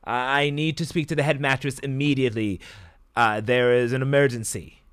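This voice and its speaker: A man doing a brisk, demanding noble mage. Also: mid-range voice, steady tone, fairly bright tone, smooth, no echo, pitched above the performer's own voice, lightly acted. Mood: urgent, demanding. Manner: brisk, demanding, stammers when hurried.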